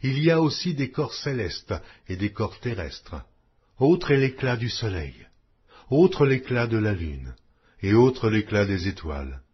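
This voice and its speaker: Husky guy reading scripture, slow and measured, muffled lo-fi sound. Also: fairly low pitch, very animated. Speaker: Bible reader. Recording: dull lo-fi audio.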